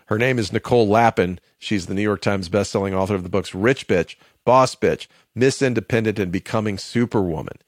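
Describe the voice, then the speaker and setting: A man's voice: fairly low pitch, fairly quick, few pauses, no room sound, clean studio sound. A man hosting a podcast, interviewing a guest in an upbeat, conversational way. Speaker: podcast host.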